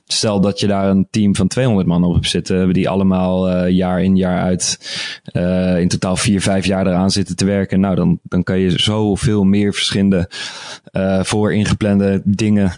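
A man's voice: low voice, level tone, normal speed, hardly any pauses, a little mellow, no room sound, studio quality. A man co-hosting a game podcast in casual chat, talkative and full of restarts and fillers.

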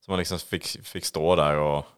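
A man's voice: very deep voice, steady tone, smooth. A man co-hosting a casual podcast, leading the topics and talking with frequent hesitations and restarts. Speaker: podcast co-host. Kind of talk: casual chat.

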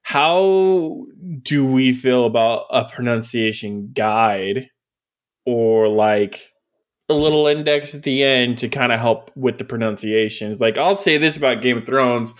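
A man's voice: medium pitch, a little slow. Thoughtful man asking questions. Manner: thoughtful, hesitant, asks questions. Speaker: podcast host. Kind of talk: casual chat.

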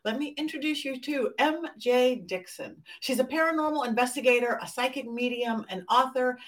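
A woman's voice: on the high side, far from the mic, low-quality recording. Bubbly woman host, voice set back from the mic. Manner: bubbly, enthusiastic, chatty. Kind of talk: podcast host interview and spell lesson.

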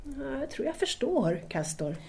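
Audio drama role: shy young female student played by an actress, curious and polite, slightly high voice, hesitant delivery. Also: big pitch swings, vocal fry, a crowd in the background, exaggerated voice. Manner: tentative, questioning, polite. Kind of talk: audio drama dialogue acting.

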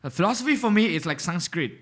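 A young man from Cambodia, a native Khmer speaker, chatting in casual, animated talk full of fillers, restarts and laughs. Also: high-pitched, fast. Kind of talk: casual chat.

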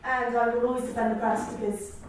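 A woman journalist speaks firmly on a discussion panel. Her tone stays flat and level. The distant sound rings through a very echoey hall with a faint hiss. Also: fairly high pitch, brisk.

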